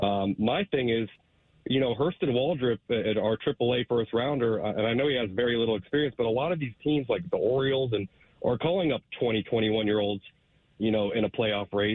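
Speaking in a normal speaking voice, a man keeps a medium pitch and moderate pace, with very even loudness and ordinary pitch variation. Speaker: caller.

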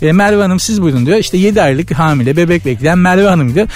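Over noticeable background noise, a man talks at a very fast pace. His pitch is high and his intonation lively. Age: 50s. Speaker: radio host. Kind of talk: casual chat.

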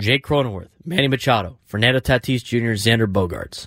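A man with an American accent talks at a fairly quick pace in an ordinary speaking voice. His pitch moves in an ordinary way, and the recording is very clean with a silent background. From San Diego, California. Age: 20s. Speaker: sports radio host. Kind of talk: sports talk radio.

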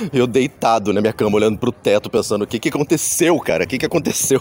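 This man's medium-pitched voice moves very fast with lively intonation. The sound is dry and close, with no echo. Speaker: listener and former guest. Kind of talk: recorded audio message to the show.

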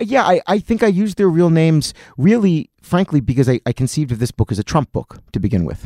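A man with an American accent talks at a very fast pace, his dark, mellow tone swinging very widely in pitch. The sound is dry and close with no echo, on a very clean recording with a silent background. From US Northeast, Atlantic City, New Jersey. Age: 40s. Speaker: novelist. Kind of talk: interview. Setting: studio.

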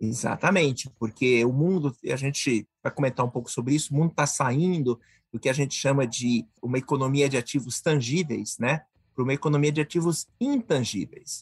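The voice is somewhat breathy, with ordinary pitch variation at a moderate pace. The sound is dry and close, with no echo. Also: man, fairly high pitch for a man. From Taiwan. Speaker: agribusiness research director. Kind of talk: interview.

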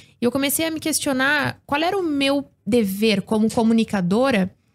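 A somewhat breathy woman's voice with lively intonation on a very clean recording with a silent background. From interior of Rio Grande do Sul, Brazil. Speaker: farmer and content creator. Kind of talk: casual podcast conversation. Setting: studio.

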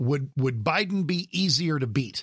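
In a very clean recording with a silent background, a man speaks at a moderate pace, somewhat breathy, his pitch swinging very widely. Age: 60s. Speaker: radio talk show host. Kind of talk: talk radio monologue. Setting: studio.

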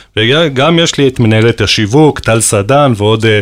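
A man's ordinary speaking voice at medium pitch, fairly slow, with ordinary pitch variation. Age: 40s. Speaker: business executive. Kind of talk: interview.

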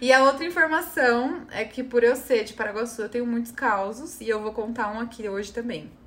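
In a normal speaking voice, a woman talks at a moderate pace with hardly any pauses, a fairly high pitch, ordinary pitch variation and big swings in loudness. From Minas Gerais, Brazil (small town near Varginha). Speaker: content creator and YouTuber. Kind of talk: casual chat.

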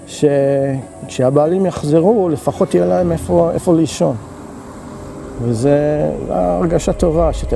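Over music in the background, a man talks at a fairly slow pace with very even loudness. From Israel, then Australia from about age 12. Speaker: volunteer firefighter. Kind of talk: interview testimony. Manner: halting.

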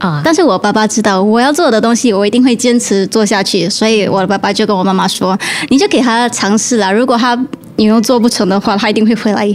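At a very fast pace and with hardly any pauses, a woman speaks at a fairly high pitch in very even loudness. Noticeable background noise sits behind her. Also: ordinary pitch variation. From Singapore. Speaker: singer and actress, former K-pop idol. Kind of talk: interview.

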